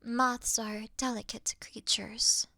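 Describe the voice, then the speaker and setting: Woman as officious moth monster girl, awkward comforter, dry soft murmur, lightly high voice, close dry sound, sleep-aid ASMR. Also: flat delivery, slow, creaky, dry recording, full character voice. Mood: gentle, awkward.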